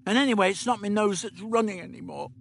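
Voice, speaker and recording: Sniffly young woman with a cold, plaintive, raised pitch, voiced by a man. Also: quick pace, gravelly, a bit bright, slight background noise. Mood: fretful.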